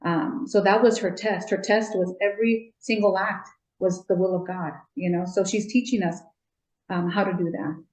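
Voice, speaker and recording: A woman who is a religious sister speaks gently and hesitantly, with many ums and restarts. Her pitch sits mid-range. Her voice carries an echoey room sound over a remote call. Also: steady tone, moderate pace. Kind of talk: casual interview answers.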